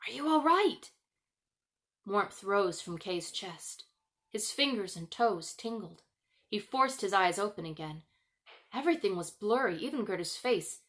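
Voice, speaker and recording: Bright-voiced woman author reading aloud. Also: medium pitch. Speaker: author and video host. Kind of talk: expressive storybook narration and chatty vlog talk.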